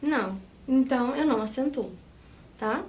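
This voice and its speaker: A woman's voice: high-pitched, moderate pace, a little mellow. A woman with a Brazilian Portuguese accent, teaching an online Spanish lesson and explaining step by step, counting syllables aloud.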